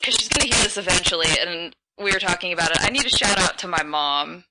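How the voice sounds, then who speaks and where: A woman co-hosting a podcast, chatting casually and rambling in quick bursts. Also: on the low side, very noisy. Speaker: podcast co-host. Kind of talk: casual chat.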